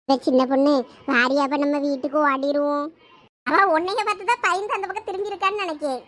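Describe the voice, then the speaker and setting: A cheeky, talkative young college girl, acted by a woman in a village comedy skit. Her voice sits very high and she keeps up a teasing, chatty manner. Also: fairly even intonation, fast, a bit bright. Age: young adult. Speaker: comic skit actor.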